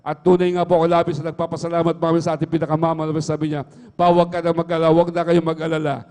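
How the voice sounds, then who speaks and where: Speaking in a slightly high, darkish voice, a middle-aged man races through an earnest testimony at a church service, his tone monotone throughout. He repeats "mga minamahal" to the congregation constantly. The livestream carries the long reverb of the church hall.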